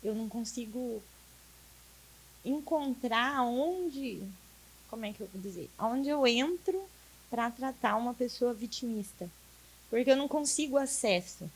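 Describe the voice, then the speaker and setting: A woman in class speaking up, halting and searching for words. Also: a little high, animated, slightly rough, low-quality recording. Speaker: student.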